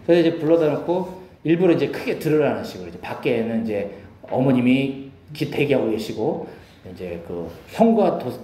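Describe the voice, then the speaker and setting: A man in his forties giving a relaxed, chatty Bible message to a group of small-group leaders in a meeting room. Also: medium pitch, reverberant, a little hiss or hum. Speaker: lay Bible teacher.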